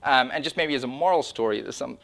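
A man's voice: mid-range voice, quick pace, vocal fry, a bit bright. A middle-aged man presenting his own project in an informal talk, with conversational, self-interrupting phrasing. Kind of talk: informal conference-style talk with slides. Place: indoor meeting room or small lecture room.

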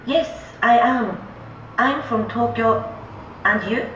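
A woman speaking a polite young woman's lines in a scripted textbook dialogue, slow and careful. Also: fairly high pitch, fairly bright tone, slight background noise. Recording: roomy, dull audio from far off.

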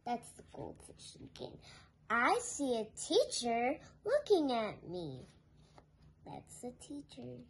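A young girl reading a picture book aloud to small children in a singsong way, with softer asides. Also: a little high, wildly swooping pitch, takes it slowly, gravelly, breathy edge. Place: living room sofa at home. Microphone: phone held nearby. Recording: home phone recording with background noise.

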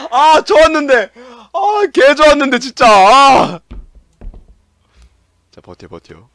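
A man giving loud, yelping gameplay commentary as a game streamer, shouting quick repeated commands and laughing often. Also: extremely high pitch, big pitch swings.

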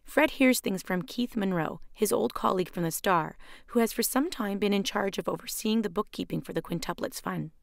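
A woman's voice: mid-range voice, moderate pace, vocal fry, no room sound. A woman voice actor narrating sample readings recorded in a home studio.

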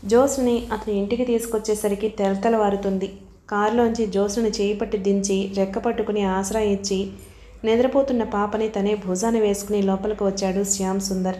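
A woman narrating a novel as an audiobook, in a calm, even storytelling manner that softens for sad passages. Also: mid-range voice, fairly quick, echoey room. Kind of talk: reading a novel aloud.

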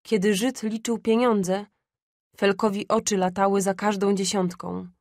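A woman narrating an audiobook of a classic story in a measured, expressive way. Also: medium pitch, dry recording, studio quality.

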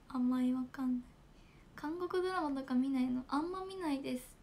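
A high, bright young woman chats casually and giggles through a livestream. Her voice has a gravelly fry at the edges, and a faint hiss of phone-mic noise sits under it. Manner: giggly, chatty, reads fan comments. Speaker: idol livestreamer. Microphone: smartphone.

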